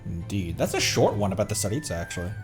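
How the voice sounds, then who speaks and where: Reacting to a game's voice lines on a live stream, this man muses casually in a slangy way, swearing a bit. He speaks quickly and expressively in a lowish voice, and faint music plays in the background.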